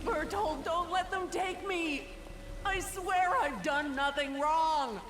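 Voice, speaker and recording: In an echoey space with faint noise, an innocent accused witch from a video game. The woman's very high voice is earnest and pleading. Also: slow pace, fairly bright tone, heavily acted. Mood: terrified. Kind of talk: dramatic video game acting.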